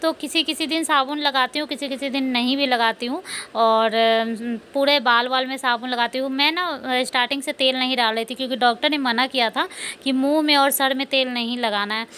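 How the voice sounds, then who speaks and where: A woman's voice: sits high, fairly even intonation, brisk, bright, forceful tone, a little hiss or hum. A young woman chatting casually at home about her newborn, talking loosely with many fillers. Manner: sing-song baby talk to her infant. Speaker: vlogger and new mother. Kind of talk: casual home vlog narration.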